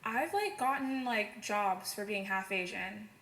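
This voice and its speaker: A young woman in a casual panel discussion, talking quickly with fillers. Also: mid-range voice, lively intonation, a bit bright, echoey room. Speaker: panel guest.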